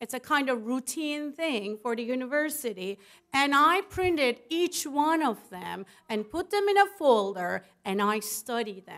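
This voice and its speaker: The speaker has a strong non-native accent and talks at a fairly slow pace. Loudness swings a lot, and pitch swings very widely. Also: woman, high pitch for a woman. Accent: foreign accent, self-described as strong. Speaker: academic, commencement speaker. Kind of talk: commencement speech. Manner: formal.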